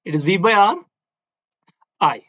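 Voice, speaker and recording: A man's voice: sits high, lively intonation, measured pace, a bit bright, lo-fi sound. A man with a South Asian accent giving a classroom physics lecture, explaining step by step, repeating himself and adding question tags. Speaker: physics teacher.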